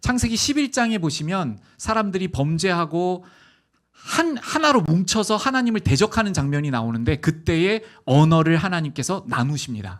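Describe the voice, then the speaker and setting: A man preaching a sermon as pastor, telling stories with animated, acted-out voices. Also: fairly high pitch. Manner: animated storytelling, acting out voices. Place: church sanctuary.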